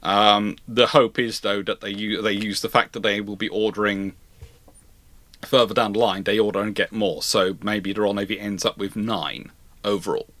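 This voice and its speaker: Guy hosting a panel q&a, bright forceful voice, emphatic, really dry close sound. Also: lowish voice, steady tone, normal speed, no room sound. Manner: emphatic, repeats himself and explains insistently. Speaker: host of a live question-and-answer panel. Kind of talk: informal panel discussion answering viewer questions.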